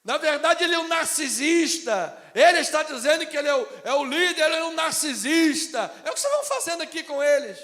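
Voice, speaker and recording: Very high-voiced Carioca preacher man. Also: sing-song, a little fast, few pauses. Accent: Carioca Brazilian Portuguese. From Brazil (Rio de Janeiro). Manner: swings from loud proclamations to quiet conversational asides. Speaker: pastor. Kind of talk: sermon. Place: church sanctuary. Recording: long reverb of a church hall.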